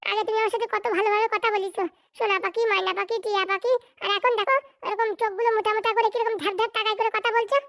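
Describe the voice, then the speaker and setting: A clingy, suspicious cartoon wife pleads and needles in a very high, chipmunk-like voice. She talks fast. The sound is close and dry. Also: little pitch movement, a bit bright, no room sound. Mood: reproachful. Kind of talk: sped-up cartoon voice acting.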